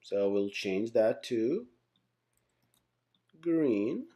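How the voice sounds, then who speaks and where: Low, mellow man teaching with swooping intonation. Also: big pitch swings, extremely slow. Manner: thinks aloud, often checks with "right?" and "cool". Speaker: software engineering instructor. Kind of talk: informal explanatory tutorial.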